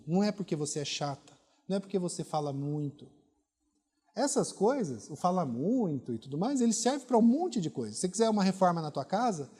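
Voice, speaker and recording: A man's voice: fairly high pitch, warm tone, husky. A middle-aged Brazilian man with a Brazilian Portuguese accent, a pastor preaching a sermon with emphatic, repeated rhetorical questions. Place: church hall. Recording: long hall reverb.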